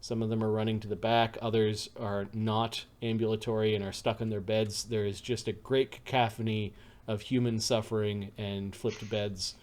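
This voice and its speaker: A man's voice: fairly low pitch, little pitch movement, normal speed, darkish tone, a little hiss or hum. A man narrating a tabletop game as game master, rambling with many fillers and self-corrections.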